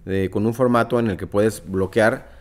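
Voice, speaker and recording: A man in his thirties who founded a startup describes his company in an interview, speaking with a northern Mexican accent, giving examples and using many fillers. His voice is lowish and steady at a moderate pace. He is recorded with a studio mic on a desk stand in an office meeting room.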